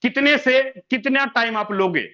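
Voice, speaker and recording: A man's voice: very high voice, lively intonation, moderate pace, pushed and bright, highs cut off. A man giving a sales presentation over an online meeting, repeating each figure and firing rhetorical questions at listeners he keeps calling sir. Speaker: business presenter.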